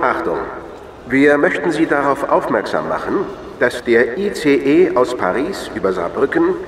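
Male railway announcer, acted, formal and emphatic, distant and very roomy tannoy sound with light station noise. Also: medium pitch. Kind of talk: scripted public address announcement.

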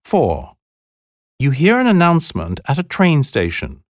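A man's voice: on the high side, huge pitch swings, measured pace, noisy background. A man narrating scripted instructions for a listening exercise.

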